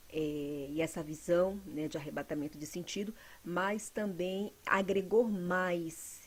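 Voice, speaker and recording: This somewhat breathy voice has ordinary pitch variation and is captured in a very clean recording with a silent background. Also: woman. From northern Brazil, Pará. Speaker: evangelical preacher. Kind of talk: religious testimony.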